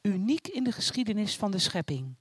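A reader voicing a hushed, reverent angel. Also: medium pitch, sing-song, brisk, breathy edge, dry recording. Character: male angel messenger, reverent and awed.

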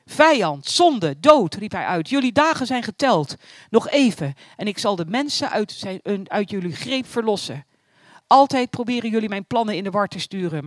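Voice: mid-range voice, dry recording, studio quality, lightly acted. A reader doing the solemn, commanding Lord. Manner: proclaiming, solemn. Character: almighty male God, solemn and commanding.

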